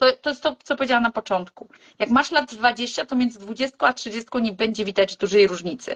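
A woman speaks in a normal speaking voice, fairly high in pitch with ordinary pitch variation. Her moderate pace comes through dry and close with no echo. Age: 40s. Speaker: dietitian. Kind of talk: live stream interview.

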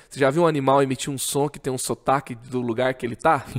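His pitch sits fairly high for a man. He speaks at a very fast pace. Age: 30s. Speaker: pastor. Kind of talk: casual chat.

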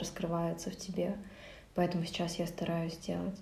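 A woman with a fairly low pitch talks amid audible room echo and noticeable background noise. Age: 20s. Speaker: furniture designer and photographer. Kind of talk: recorded monologue answering questions.

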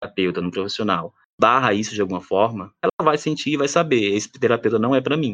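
In a plain, everyday voice, a man at a medium pitch speaks with lively intonation, the sound dry and close with no echo and the background quiet. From Aracaju, Sergipe, northeastern Brazil. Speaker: psychologist and sexologist. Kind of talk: interview.

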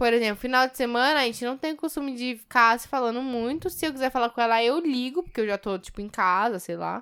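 A woman at a high pitch and very fast pace, with ordinary pitch variation and hardly any pauses, in a very clean recording with a silent background. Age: 20s. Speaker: podcast co-host. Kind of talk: casual chat.

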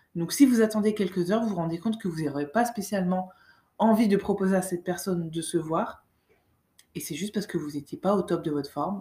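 Her dark, mellow voice is somewhat breathy and medium in pitch, with ordinary pitch variation, big swings in loudness and a fairly quick pace. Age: 30s. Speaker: podcast host. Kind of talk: casual monologue. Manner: hesitant, many fillers.

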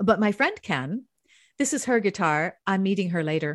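Here a woman with a plain, everyday voice speaks in an American accent at a fairly slow pace, with medium pitch and lively intonation. The sound is dry and close with no echo, over a quiet background. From US, Southern California. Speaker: English teacher and podcast host. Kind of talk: scripted grammar lesson dialogue.

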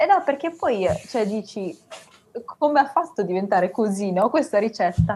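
A woman at a moderate pace, fairly high in pitch, with very wide pitch swings. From northern Italy, Biella. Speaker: beauty queen and artist. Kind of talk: casual chat.

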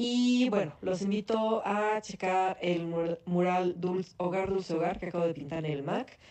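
Here is a woman with an ordinary speaking voice at medium pitch, using ordinary pitch variation. She speaks at a fairly slow pace with hardly any pauses. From San Luis Potosí, Mexico. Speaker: illustrator. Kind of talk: recorded self-introduction message.

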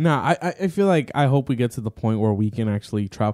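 On a very clean recording with a silent background and a dry, close sound with no echo, a man with an American accent talks at a fairly quick pace in a dark, mellow tone with very wide pitch swings. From Yuma, Arizona. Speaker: podcast co-host. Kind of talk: casual chat.

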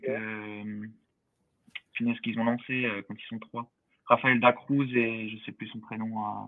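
Very slow and full of long, frequent pauses, a man speaks at a medium pitch with monotone, flat intonation. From France, Strasbourg (Alsace). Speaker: rapper. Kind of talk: casual chat.

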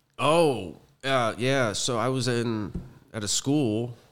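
The voice has an American accent and carries vocal fry. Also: man. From US Midwest (Youngstown, Northeast Ohio). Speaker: massage therapist. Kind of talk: casual chat.

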